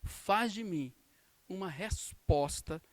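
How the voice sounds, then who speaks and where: A Brazilian pastor teaching a Sunday school class, his voice set unusually high for a man. He tells a personal story and acts out what each person said, and the sound is close and dry. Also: lively intonation, slow pace, no echo. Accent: Brazilian Portuguese. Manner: storytelling with acted-out quotes and warm laughs. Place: church.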